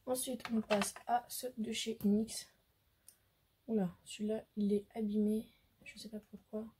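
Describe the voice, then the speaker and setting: A hoarse woman with a French accent, a beauty vlogger chatting casually to camera, hesitant and full of fillers. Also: medium pitch, fairly even intonation, a little slow, warm tone. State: hoarse, losing her voice. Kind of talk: casual makeup haul chat to camera.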